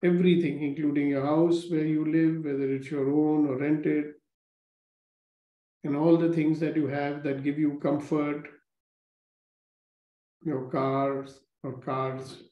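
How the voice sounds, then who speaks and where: A man leading a guided gratitude meditation, speaking slowly and calmly with repeated phrases. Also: a little high. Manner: slow, calm, repetitive instructions. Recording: roomy, dull lo-fi recording.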